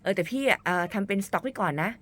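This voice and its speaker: A woman hosting a casual interview on her own channel, chatty and effusive. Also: racing. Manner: chatty and effusive, lively pitch. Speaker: YouTube host and interviewer.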